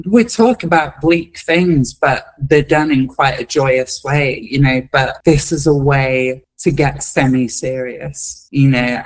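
A woman's voice: a bass voice, rough recording. A woman speaking as an interview guest, reflecting in an earnest, thoughtful way. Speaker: interview guest, comedy performer.

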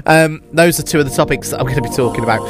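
A man's voice: a little high, racing, over music. A British man hosting a casual live radio show, sounding nasal and blocked up with a cold, as if his nose were pinched. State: congested with a cold. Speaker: radio host. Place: radio studio.

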